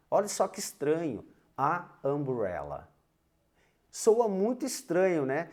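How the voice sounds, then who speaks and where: A man's voice: on the high side, darkish tone. A Portuguese-speaking man teaching an English grammar lesson, having students repeat phrases after him and tagging lines with "né?" and "alright?".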